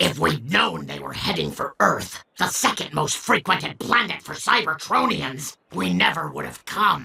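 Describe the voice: A man's cartoonish character voice, fairly high, at a moderate pace with hardly any pauses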